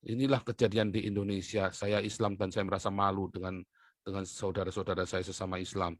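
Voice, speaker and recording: A man's voice: little pitch movement, brisk, no echo. Emphatic man ranting in a dry close voice. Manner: emphatic, voice leaps up sharply on stressed points; drops to a low, quiet aside between outbursts. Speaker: online commentator. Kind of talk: heated solo monologue.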